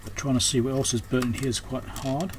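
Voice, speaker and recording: Male repairer, medium pitch, casual hands-on commentary, unscripted and trailing off, audible background noise. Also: flat delivery, a little fast. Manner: unscripted, thinking aloud, trailing off mid-thought. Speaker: electronics repairer and video host. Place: indoors at a repair workbench. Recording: clear background noise, room ambience.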